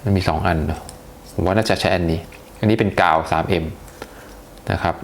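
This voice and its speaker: Low gravelly man reviewing gadgets. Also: fairly quick, a little hiss or hum. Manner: chatty, hesitant, lots of polite particles. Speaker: tech reviewer. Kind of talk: casual unboxing review.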